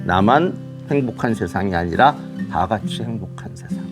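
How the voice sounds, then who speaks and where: A middle-aged man speaking as an author to young students, telling a story in an animated way and asking rhetorical questions. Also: lowish voice, normal speed, music in the background. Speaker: children's author giving a talk. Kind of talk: motivational lecture to students.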